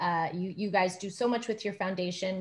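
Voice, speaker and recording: Somewhat breathy and fairly low-pitched, a woman speaks at a fairly quick pace with fairly even intonation. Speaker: festival host. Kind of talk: live Q&A hosting. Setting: virtual event, video call. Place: home room. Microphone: video call.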